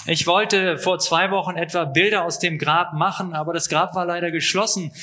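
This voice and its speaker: This man works as a live interpreter and turns each phrase around quickly. His voice is bright and sits a little high. His delivery stays matter-of-fact, with occasional filler sounds. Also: steady tone.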